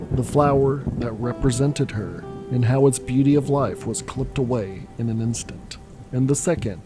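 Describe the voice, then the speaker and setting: A man narrates his film review in a hoarse, raspy voice worn down by illness. His tone is dark and mellow, earnest and reflective. Soft music plays faintly beneath him. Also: mid-range voice, poor audio. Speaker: film reviewer and channel host.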